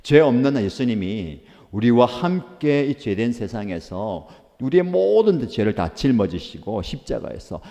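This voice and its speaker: A pastor delivers a devotional sermon in a low, mellow male voice. He leans into earnest emphasis and answers his own rhetorical questions. The sound carries the long reverb of a church hall. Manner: asks rhetorical questions and answers them himself.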